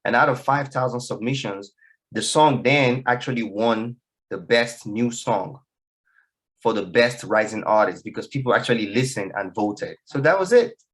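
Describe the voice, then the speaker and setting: A young man with a Nigerian accent, a musician guest speaking in a relaxed, loose way in a radio studio. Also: medium pitch, moderate pace, husky, rough recording. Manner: relaxed, loose talk full of "you know". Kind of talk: radio interview.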